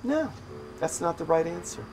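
A man chatting in a relaxed, wry and amused way as he tells everyday stories for his vlog. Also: a little high, moderate pace, over music. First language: English. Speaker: vlogger. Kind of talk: casual storytelling vlog. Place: living in Thailand.

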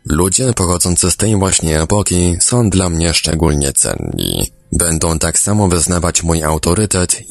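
A man reading the lines of a cold, commanding master who gives orders, lecturing in a low voice. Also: creaky, no room sound, heavily acted. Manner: authoritative, lecturing.

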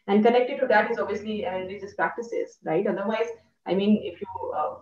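A woman's voice: mid-range voice, brisk, roomy sound. Young woman, lecturer, filler-heavy, muffled distant call audio. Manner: thoughtful, many fillers like "you know". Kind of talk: academic discussion on a video call. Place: room indoors. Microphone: video call.

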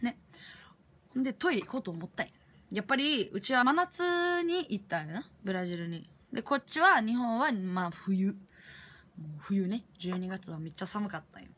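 Animated young Kansai woman telling a story. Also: mid-range voice, moderate pace. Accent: Kansai Japanese. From Japan. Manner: animated, acts out her own reactions. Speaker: vlogger. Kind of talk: casual storytelling to camera.

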